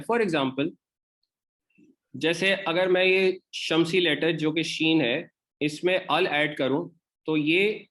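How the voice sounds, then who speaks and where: Teaching Arabic grammar in an online class, a man with a Pakistani Urdu accent explains each step in turn and says example words more than once. He speaks in a slightly high, fairly bright voice.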